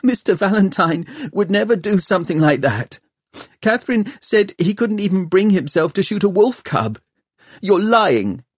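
Man voicing an earnest, bewildered young man, higher-pitched. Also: big pitch swings, slow pace, a little mellow, breathy edge, dry recording, full character voice. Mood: tearful, indignant. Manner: earnest, pleading, wobbly when upset. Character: bewildered, tearful, homesick young city man, naive and loyal. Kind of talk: audiobook character dialogue.

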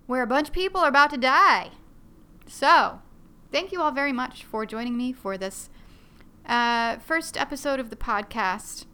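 A woman's voice: high-pitched, sharp tone, smooth. A woman hosting a solo podcast, chatting in a bubbly, self-deprecating way and rambling with many fillers. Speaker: podcast host.

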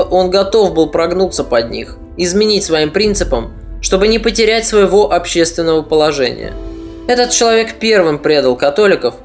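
Give me a calm, deliberate male podcast narrator reading a history script. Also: high-pitched. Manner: steady, deliberate storytelling.

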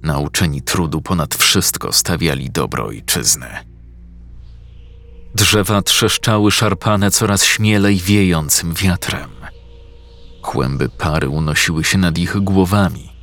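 Deep gravelly male horror narrator. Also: fairly bright tone. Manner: slow, grave storytelling delivery. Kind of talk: scripted horror audiobook narration. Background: faint music.

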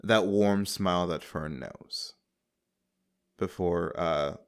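A man's voice: low-pitched, takes it slowly. A man narrating a tabletop game as game master, hesitant, with frequent fillers. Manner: hesitant, laughing easily.

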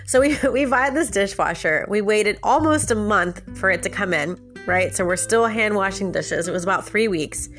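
Over soft background music, a woman hosting a podcast tells a casual story at a moderate pace with few pauses. Her mid-range voice is a bit bright but nasal and congested from a sinus infection, and she chats straight to listeners with frequent little laughs.

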